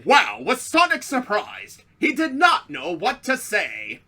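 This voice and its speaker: A woman's voice: medium pitch, wildly swooping pitch, slow, sharp tone. A woman hosting a comedic dramatic reading, mixing narration with casual banter. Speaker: reader and host.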